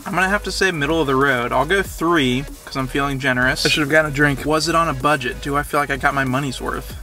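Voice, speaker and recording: A man's voice: a little high, quick pace, sharp tone, soft background music. A young man chatting casually as a food vlogger from inside a car, filmed by a dashboard camera. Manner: upbeat, conversational, reviewing food. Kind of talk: casual vlog chat.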